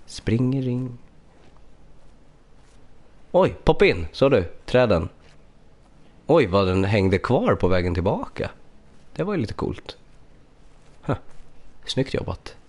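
A man's voice: medium pitch, sing-song, pauses often, darkish tone. A man live-streaming a puzzle game with casual commentary, thinking aloud and chatting with viewers, slightly congested from a cold, on a USB studio microphone.

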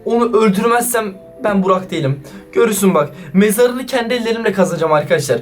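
A man vlogging over a phone game, excitable and slangy, often turning to talk straight to his viewers. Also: sits high, quick pace, soft background music. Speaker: YouTuber. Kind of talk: casual gaming vlog commentary.

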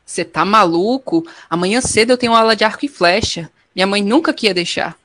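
A woman's voice: mid-range voice, lively intonation, brisk, a bit bright, a little hiss or hum, natural voice. A Brazilian woman playing a sensible, mocking teenage friend in a comedic audio drama. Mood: teasing, skeptical. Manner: casual, mocking. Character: teasing, sensible teenage friend of a young prince.

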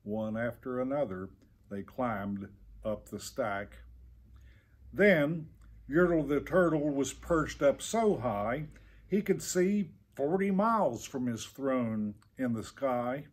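A man's voice: medium pitch, expressive, slow pace, husky. A man in his seventies reading a children's story aloud expressively, like a teacher to students. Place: indoor room with tiled drop ceiling.

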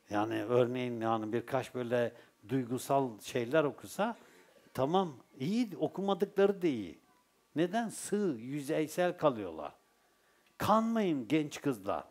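A man with a Turkish accent giving a religious Sufi talk, telling stories and asking his listeners rhetorical questions. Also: a little high. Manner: lively storytelling with rhetorical questions. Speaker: Sufi teacher.

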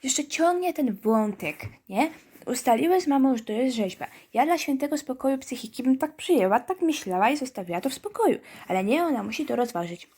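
A woman's voice: high voice, expressive, fairly quick, a little mellow, husky. A woman reading a story game aloud and breaking off for wry, chatty asides to her viewers. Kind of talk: let's-play reading with chatty commentary.

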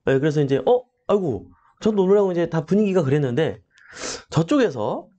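Animated man telling a story. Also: on the high side, fast talker, lo-fi sound. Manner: animated storytelling, addresses listeners directly. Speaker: real estate auction educator hosting a live morning show. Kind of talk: motivational talk with a personal anecdote.

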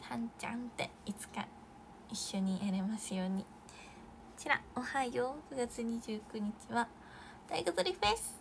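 On a live stream, a young Japanese idol chats casually, reading out viewer comments with bursts of excitement and soft asides. Her voice is fairly high and gravelly at a normal speed, with a noisy background.

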